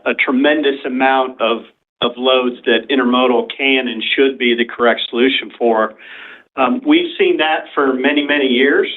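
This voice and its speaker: A man answering questions as a company executive on a conference call, phrasing things deliberately and carefully. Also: mid-range voice. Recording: narrow phone-line sound.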